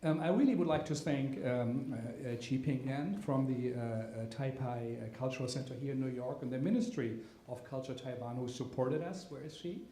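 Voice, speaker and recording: A man giving welcome remarks to a live audience as the event organizer, halting and full of "uh" and "um" as he talks. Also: medium pitch, warm tone. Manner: halting, with many fillers and restarts. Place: theater auditorium at a live event. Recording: roomy hall sound with faint noise.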